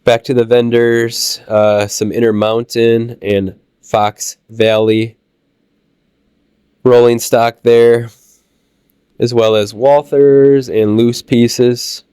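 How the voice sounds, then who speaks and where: A man with a Midwestern American accent, casually narrating a walk through a model train show, halting with fillers while he gets over a cold. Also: medium pitch, smooth, no echo, clean studio sound. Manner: relaxed, halting with many "uh" fillers. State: recovering from a cold. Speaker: channel host touring a train show.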